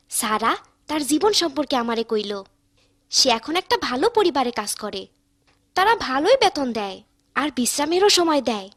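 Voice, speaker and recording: Woman voicing bright eager cartoon girl. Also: high voice, dry recording, studio quality. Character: cheerful curious village girl. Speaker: narrator and lead character. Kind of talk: cartoon voice acting.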